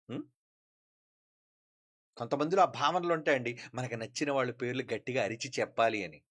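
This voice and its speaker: A man's voice: medium pitch, a bit bright. A male pastor with a Telugu accent preaching a sermon, emphatic and full of rhetorical questions.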